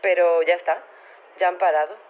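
A woman's voice: lowish voice, fairly even intonation, moderate pace. A woman playing an unflappable robotics professor in an audio drama, heard through a telephone, rambling in a colloquial, understated way. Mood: matter-of-fact, unflappable. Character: female robotics professor, casual, matter-of-fact, unflappable. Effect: telephone filter. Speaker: phone interviewee. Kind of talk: acted phone interview in audio fiction. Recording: tinny phone line with clear background noise.

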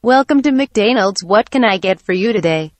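A woman's voice: medium pitch, animated, moderate pace, dry recording. A woman voicing a cheeky female AI drive-thru ordering machine, talking through a drive-thru speaker in a comedy skit. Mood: chirpy nosy. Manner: chirpy, nosy, sing-song.

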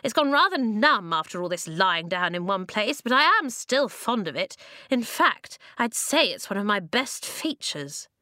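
A woman voicing a pompous, cranky man made of rocks in a children's audiobook, with a high, reedy, creaky voice and a tart, complaining manner. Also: very animated, moderate pace, pushed and bright, dry recording, studio quality. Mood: fussy, bossy. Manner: tart, snapping, haughty complaining.

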